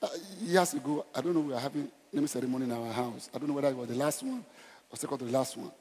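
A man's voice: medium pitch, expressive, very fast, a little mellow, a little hiss or hum. A middle-aged Nigerian man preaching an evangelistic sermon, emphatic and exhorting, in short repeated phrases with a conversational turn. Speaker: pastor. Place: large church auditorium, on stage. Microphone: headset. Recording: echoey church hall sound.

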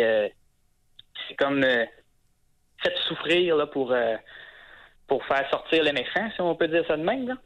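A young man with a Quebec French accent calls in, speaking at a middle pitch, haltingly and full of fillers as he restarts his sentences. His voice comes through a dull, muffled phone line. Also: a bit bright. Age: 20s. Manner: hesitant, many fillers and restarts. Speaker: caller. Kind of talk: phone-in call on a talk show.

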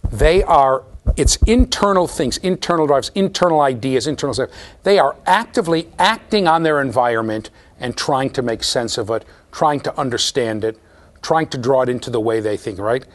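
A man with a low voice giving a classroom lecture, talking straight to the students in a lively, conversational way. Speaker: university lecturer.

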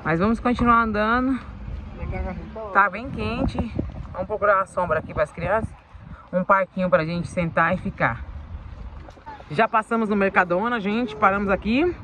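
A woman's voice: mid-range voice, moderate pace, long pauses, fairly bright tone. Woman, casual family vlogger, handheld phone, faint noise behind; chatty and homely. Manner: chatty, addresses viewers as "gente", coos to her children. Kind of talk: casual vlog narration. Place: home and outdoors on a hot street and park.

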